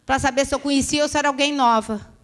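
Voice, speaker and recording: A middle-aged woman tells her religious testimony in a fairly high voice. She acts out the dialogue as she goes, keeping her storytelling lively. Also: quick pace. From Rio de Janeiro, Brazil. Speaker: speaker giving a testimony. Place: restaurant event hall.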